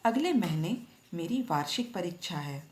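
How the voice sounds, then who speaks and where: A woman's voice: fairly low pitch, sing-song, normal speed, darkish tone. A woman teacher voicing an unhappy young schoolgirl who struggles with maths, read plaintively from a storybook. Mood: upset, plaintive. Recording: echoey room.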